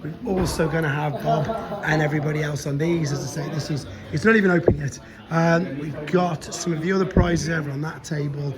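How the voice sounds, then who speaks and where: A man's voice: on the high side, fairly even intonation, a little fast, a crowd in the background. Chatty man vlogging. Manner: chatty, rambling, lots of restarts. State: losing his voice. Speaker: toy vlogger. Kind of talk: casual walk-around vlog.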